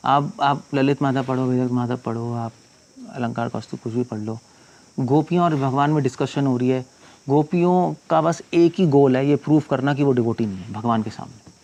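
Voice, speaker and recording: A monk giving a scripture discourse, reciting verses slowly and then explaining them in conversational speech mixed with English phrases. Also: male voice, medium pitch, darkish tone.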